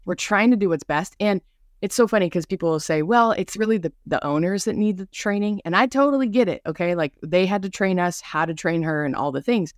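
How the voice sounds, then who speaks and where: A woman's voice: lowish voice, a little fast, no echo, studio quality. A woman hosting a podcast in a bubbly, chatty monologue full of asides, with a mild speech impediment on some R sounds. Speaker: podcast host. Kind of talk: casual rambling monologue.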